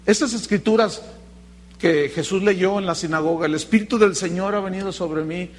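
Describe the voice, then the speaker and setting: A pastor preaching a sermon, telling anecdotes in a lively way and imitating the people in his stories. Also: high-pitched, moderate pace, slight background noise. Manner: animated storytelling, mimics voices in quotes.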